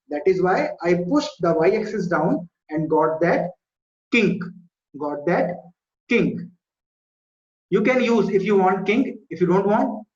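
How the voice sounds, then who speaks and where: A high-pitched man with a South Asian accent runs an online school maths lesson, explaining step by step, repeating himself, and confirming understanding through short questions. It's an online video class from an indoor room, and the audio comes through muffled and echoey.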